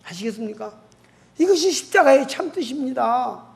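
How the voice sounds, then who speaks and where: A man's voice: extremely high pitch, expressive, moderate pace, vocal fry. A man preaching an evangelistic sermon in a church, emphatic and acting out dialogue from his stories. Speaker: pastor.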